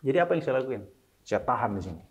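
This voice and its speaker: A middle-aged man speaking as an interview guest, a single father, talking casually and mixing in English phrases, animated when he quotes his children. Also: mid-range voice, quick pace, slightly rough.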